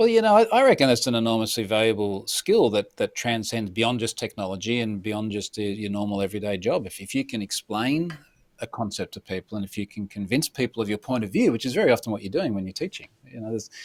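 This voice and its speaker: A man's very fast speech in an Australian accent, medium pitch with ordinary pitch variation and hardly any pauses, in a very clean recording with a silent background and a dry, close sound with no echo. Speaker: information security author and instructor. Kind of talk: interview answer.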